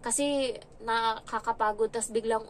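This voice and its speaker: A woman's voice: a little high, measured pace, slight background noise. A young adult woman from the Philippines who works as a domestic helper, telling a frank, chatty story in a casual vlog. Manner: chatty, frank, animated when retelling.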